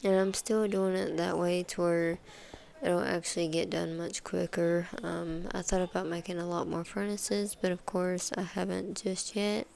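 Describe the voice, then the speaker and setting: Congested woman, gameplay voice-over host, flat and rambling delivery. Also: lowish voice, a little slow, vocal fry. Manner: rambling, casual, many fillers. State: congested from sinus trouble. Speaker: gaming video host.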